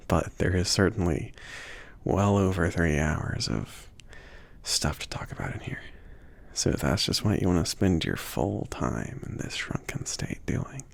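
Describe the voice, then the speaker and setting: A man playing a laid-back, obliging mage shopkeeper in a soft, intimate ASMR roleplay, hesitant and rambling, husky and often near a whisper. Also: deep voice, sing-song, a little slow, full character voice. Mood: easygoing, reassuring. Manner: hesitant, rambling, trailing off with small chuckles.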